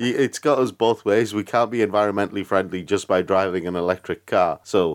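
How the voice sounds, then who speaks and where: A man with a northern English accent talks at a fairly quick pace, with hardly any pauses and ordinary pitch variation in a fairly low voice. The recording is very clean, with a silent background and a dry, close sound with no echo. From northern England. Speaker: podcast host. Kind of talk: casual chat.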